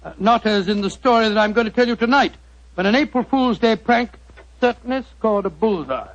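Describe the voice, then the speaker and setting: An actor playing a genial elderly doctor who tells the story, with a bumbling, chummy manner, in a 1940s radio drama. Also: male voice, high voice, expressive, fairly quick. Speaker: narrator of the tale. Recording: dull 1940s radio broadcast.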